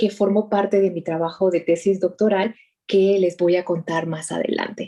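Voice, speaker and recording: The voice belongs to a woman. Its tone is dark and mellow. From Honduras. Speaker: academic researcher. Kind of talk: conference talk.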